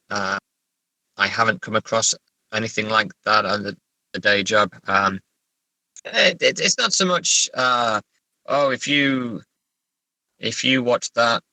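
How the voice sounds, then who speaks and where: A man from England chatting casually as an interview guest, halting and self-correcting, with a wry way of telling stories. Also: on the low side, sharp tone, dry recording, low-quality recording. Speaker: horror novelist and therapist guest. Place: sitting in a parked car.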